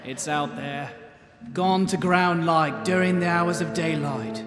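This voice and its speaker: A man's voice: fairly high pitch, takes it slowly. A man playing a brooding guard who waxes grandly ominous and poetic in a live radio comedy. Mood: ominous, rapt. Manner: hushed, grandly ominous, rhapsodic. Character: brooding, dramatic male guard waxing poetic. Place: live on stage in a large hall. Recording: echoing hall, music behind.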